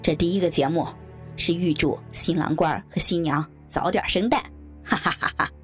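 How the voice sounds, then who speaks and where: A woman's voice: on the low side, moderate pace, faint music behind, voice pushed down, lightly acted. A woman voicing a sly, jovial best man who smirks and explains with mock reassurance. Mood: explaining.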